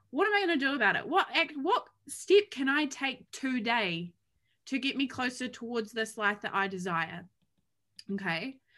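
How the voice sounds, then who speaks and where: With a New Zealand accent, a woman speaks at a moderate pace in a high, bright, sharp voice. Her tone is enthusiastic and animated, with very wide pitch swings. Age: 20s. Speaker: mindset coach. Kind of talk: casual interview chat. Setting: remote call. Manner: enthusiastic, animated.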